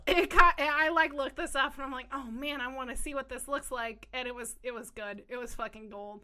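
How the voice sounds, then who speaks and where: Brief: young woman co-host, high and bright, sweary and playful banter. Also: a little fast. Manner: profane, playful, excitable. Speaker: podcast co-host. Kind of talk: casual chat.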